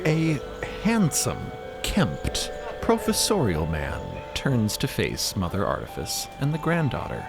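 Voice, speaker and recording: A man's voice: mid-range voice, huge pitch swings, takes it slowly, gravelly, over music. A man narrating a scripted story theatrically, with playful, dramatic emphasis.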